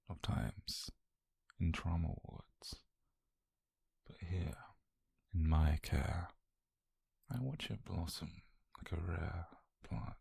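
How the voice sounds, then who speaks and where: A British man playing a calm, possessive, obsessed doctor in an intimate ASMR roleplay, speaking slowly and haltingly in a husky, breathy near-whisper. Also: deep voice, no room sound, heavily acted. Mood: clinical, menacing. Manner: slow, halting, intimate delivery.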